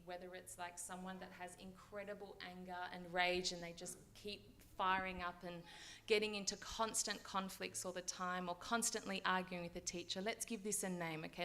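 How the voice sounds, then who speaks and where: Loud-voiced woman therapist on a panel. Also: medium pitch, a little hiss or hum. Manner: loud, explanatory, counselling tone. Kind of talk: panel discussion. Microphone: handheld microphone.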